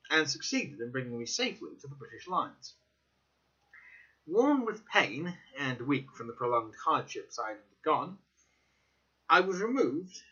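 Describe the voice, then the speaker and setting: A man giving a dramatic, scripted audiobook narration with theatrical, deliberate phrasing. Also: on the high side, sharp tone, muffled recording.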